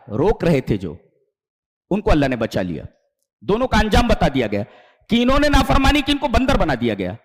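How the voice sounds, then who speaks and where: A male Islamic preacher giving a sermon of Quranic commentary. He recites Arabic verses and explains them, retells stories with acted speech, and swings between loud emphatic peaks and quiet low asides. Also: long reverb tail.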